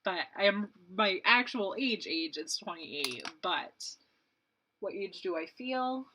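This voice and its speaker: A woman's voice: mid-range voice, animated, takes it slowly, sharp tone, rough recording. A woman in her late twenties, a beauty vlogger chatting casually and rambling while she does her makeup, laughing often. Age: 20s.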